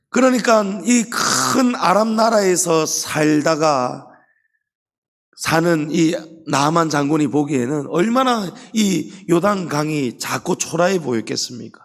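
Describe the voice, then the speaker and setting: High, gravelly-voiced male pastor preaching. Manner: emphatic preaching, swings between loud climaxes and quiet drops; acts out quoted Bible characters in his own voice. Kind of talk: sermon.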